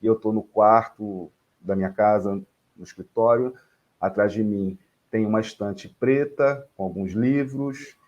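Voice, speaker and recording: Low-voiced, unhurried man. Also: a little mellow, lo-fi sound. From Rio de Janeiro, Brazil. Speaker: author on a panel. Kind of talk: self-introduction on a panel. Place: home study.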